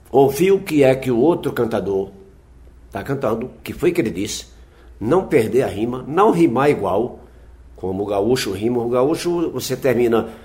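A man's voice: medium pitch, darkish tone. A man, a folk singer-poet, speaking in a reflective interview and explaining things patiently with frequent tag questions.

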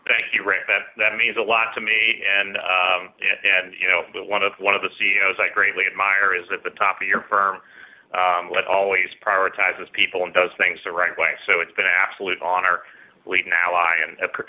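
A male chief executive replying on an earnings call in a halting way, repeating some words. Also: low voice, little pitch movement. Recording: dull lo-fi conference call line.

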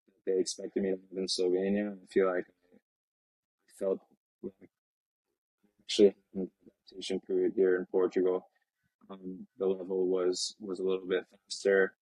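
A man in his twenties, a professional soccer player, talking reflectively in an interview with many halting restarts. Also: sits low, completely flat delivery, warm tone, no echo, rough recording. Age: 20s. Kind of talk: casual interview talk. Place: Lisbon.

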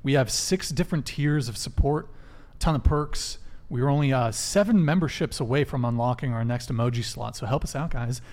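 A man's voice: medium pitch, brisk, hardly any pauses, a little mellow. Brash joking man hosting a podcast. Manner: brash, joking, rattles off announcements. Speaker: podcast host. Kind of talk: casual live podcast hosting. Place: podcast studio around a table.

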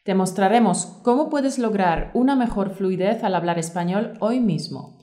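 Measured female teacher. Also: medium pitch, warm tone. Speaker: Spanish teacher, podcast co-host. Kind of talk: scripted course presentation.

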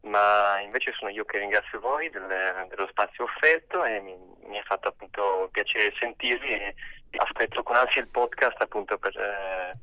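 A man's voice: lowish voice, moderate pace, bright, forceful tone, low-quality recording. A man calling in from work, heard on speakerphone through a phone held to the mic, speaking politely and hesitantly with fillers.

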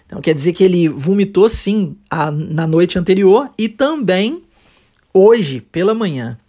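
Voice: mid-range voice, animated, measured pace, dark tone. A teacher with a Brazilian Portuguese accent hosting a podcast English lesson. The teacher explains step by step, checks in often with short tags and asks listeners to repeat phrases.

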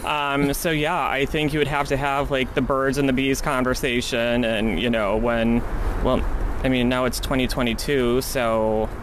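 A man's voice: mid-range voice, little pitch movement, moderate pace. Hesitant man in his forties, noisy street. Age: early 40s. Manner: hesitant, groping for words. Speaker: interviewee, passer-by. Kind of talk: casual street interview. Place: outdoors on a city street. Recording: noisy outdoor street with traffic.

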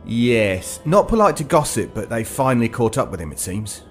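An actor playing a polite, wry, uncanny fantasy shopkeeper in a horror audio drama. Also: male voice, mid-range voice, sing-song, normal speed, lightly acted. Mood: genteel, insistent. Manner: polite, wry, arch phrasing. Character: courteous, droll, uncanny fantasy shopkeeper, male. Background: music.

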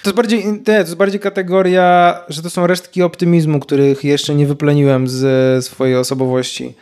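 A stand-up comedian in casual conversation, talking in a reflective, chatty way with many fillers. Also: male voice, fairly high pitch, level tone, moderate pace, a little mellow.

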